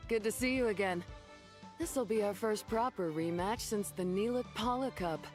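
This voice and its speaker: A woman voicing a friendly, upbeat young beast tamer in a game, confident and warm in her words. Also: medium pitch, moderate pace, soft background music, lightly acted. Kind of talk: game voice acting.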